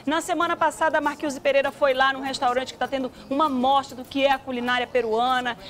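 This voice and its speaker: A woman, hosting a TV show in a studio, playful and teasing with animated exclamations. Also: sits high, quick pace. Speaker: TV show host. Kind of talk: lively studio talk. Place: bright TV studio.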